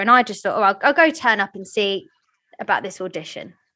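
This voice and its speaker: A woman's fairly high voice with a bright, sharp tone and a southern English accent, in a very clean recording with a silent background. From West London. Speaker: podcast host. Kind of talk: interview. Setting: podcast.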